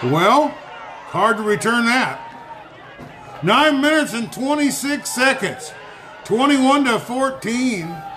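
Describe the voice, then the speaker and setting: A man speaks in a raised, projected voice at an extremely high pitch, with very wide pitch swings. Crowd noise fills the background. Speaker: radio sports broadcaster. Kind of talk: live play-by-play football commentary. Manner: informal, folksy, addressing listeners.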